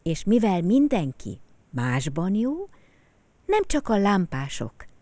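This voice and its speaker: A woman narrating a children's story in a soft, expressive way. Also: medium pitch, no room sound.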